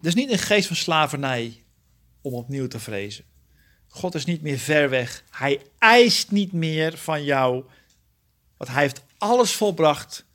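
A man with a somewhat higher voice teaches a small Bible study group. He works through the text verse by verse, correcting himself as he goes. He keeps turning to his listeners with questions to check they follow. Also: lively intonation, unhurried, a bit bright. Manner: earnest, often asks the group questions; explains verse by verse, self-correcting.

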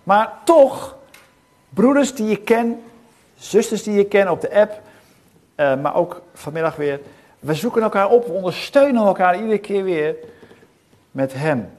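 Middle-aged man, preacher, sermon, earnest, rhetorical questions, pausing, somewhat high voice. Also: expressive, a little mellow. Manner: earnest, asks many rhetorical questions, pauses between phrases. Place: church hall.

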